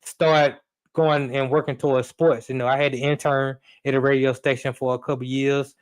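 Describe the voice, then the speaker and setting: A man, a sports radio producer and host, talking in a relaxed way with fillers and repeats as a guest. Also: mid-range voice, moderate pace. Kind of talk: casual storytelling chat.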